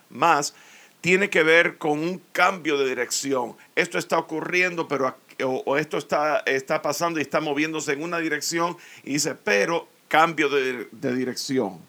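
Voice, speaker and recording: A man preaching a sermon, slowly and earnestly explaining a psalm verse by verse. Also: a little high, sharp tone. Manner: slow, earnest expository preaching.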